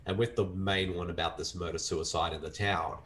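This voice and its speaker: A man's voice: low voice, fairly even intonation, fairly quick, fairly bright tone, slight background noise. An Australian man chatting casually as a film reviewer, enthusiastic and rambling, with lots of filler words.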